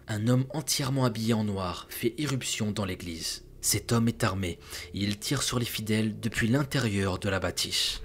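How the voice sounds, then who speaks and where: A man's voice: lowish voice, a little hiss or hum. A man narrating a true crime story in a casual, chatty way, talking straight to his viewers with joking asides.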